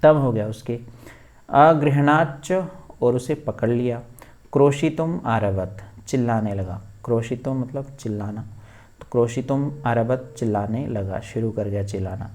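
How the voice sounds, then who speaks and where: A male teacher goes through a textbook lesson line by line, stopping to spell out what words mean. His medium-pitched, darkish voice is slow and deliberate.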